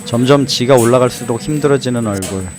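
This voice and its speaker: A man's voice: medium pitch, quick pace. Man narrating playfully over background music. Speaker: host and narrator, former pilot trainee. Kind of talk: casual explanatory voice-over narration.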